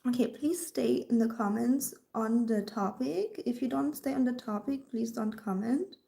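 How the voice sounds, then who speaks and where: A woman's voice: fairly high pitch, normal speed, gravelly, dark tone. German-accented woman, dating coach, echoey room. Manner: chatty, answers comments, often whispery. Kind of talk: livestream talk to viewers.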